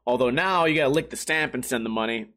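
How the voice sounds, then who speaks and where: A man hosting a podcast stream in casual chat, hoarse from losing his voice, talking in a loose, rambling and profane way. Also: medium pitch, fast, sharp tone.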